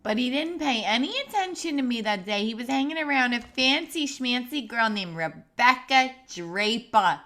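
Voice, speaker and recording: Feisty old married woman , female actor, reminiscing interview style, lively swooping delivery. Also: on the high side, moderate pace, hardly any pauses. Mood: indignant. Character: feisty old wife reminiscing about courtship. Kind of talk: table-read acting, documentary-interview pastiche.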